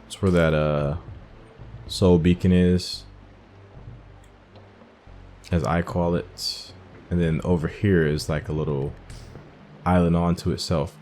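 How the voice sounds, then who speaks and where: A man's voice: low voice, little pitch movement, slow pace, pauses often, darkish tone, a little hiss or hum. A man giving casual, informal playthrough commentary as a gaming video host, thinking aloud as he goes.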